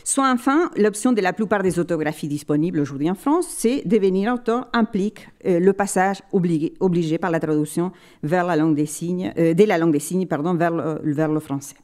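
Woman, lecturer, lowish voice, mellow tone, measured and explanatory, frequent searching pauses. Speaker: conference speaker. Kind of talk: academic lecture at a library event.

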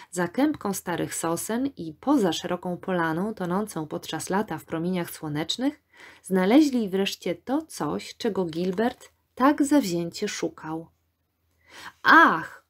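A woman reading an audiobook, in calm, measured scripted narration. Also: mid-range voice. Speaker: audiobook reader.

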